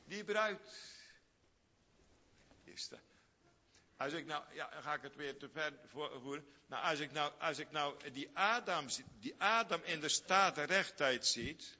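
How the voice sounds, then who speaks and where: A man delivers a sermon at a slow, weighty pace in a somewhat high, very bright voice. He repeats phrases for emphasis and swings from loud cries to hushed asides. The recording is dull and lo-fi, with a long reverb from the hall. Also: expressive. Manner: swings between loud high exclamations and low quiet asides. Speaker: preacher.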